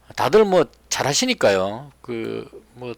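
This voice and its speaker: A man with a slight Gyeongsang accent speaks with very wide pitch swings. The very clean recording has a silent background and a dry, close sound with no echo. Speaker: stock market YouTuber. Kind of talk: unscripted market commentary. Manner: hesitant fillers.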